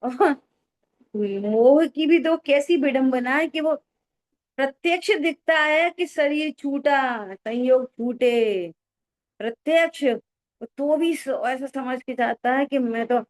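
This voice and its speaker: A woman teaching a religious discourse in an expressive voice, often exclaiming and checking whether her listeners follow. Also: high-pitched, takes it slowly. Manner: keeps asking listeners if they follow; expressive, exclaims and acts out little dialogues. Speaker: spiritual teacher.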